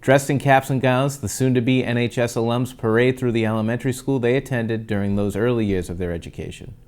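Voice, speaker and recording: A man anchoring a local community news program, reading a scripted report. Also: medium pitch. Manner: steady, measured delivery.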